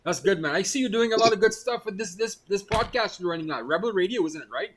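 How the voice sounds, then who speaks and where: A man's voice: sits high, animated, fast talker, fairly bright tone, slight background noise. A man hosting a casual online interview, chatty and friendly, often tossing in the word "man" while he asks his questions. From Bahamas. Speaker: host.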